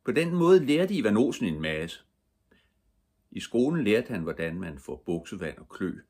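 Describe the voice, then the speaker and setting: Low husky older man reading aloud. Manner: lively storytelling with voiced characters. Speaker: audiobook reader. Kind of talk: bedtime story read aloud.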